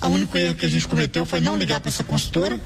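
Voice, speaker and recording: A man's voice: a little high, very animated, rapid-fire, vocal fry. A man speaking through a voice changer distortion, an anonymous business owner interviewed for a radio news report.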